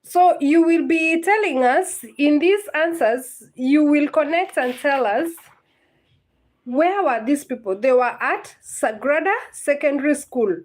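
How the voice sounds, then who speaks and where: A woman's voice: high voice, a little slow. A woman, teaching literature in a live-streamed lesson, patient and repetitive, often checking whether her students understand. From Kenya.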